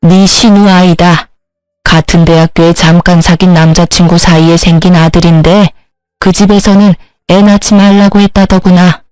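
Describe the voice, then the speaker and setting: A bossy older mother-in-law, played by a woman lays down orders at a slow, weighty pace. The voice sits slightly low and sounds close and dry. She commands rather than asks. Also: a little mellow, clean tone, dry recording, close to an everyday voice, low-quality recording.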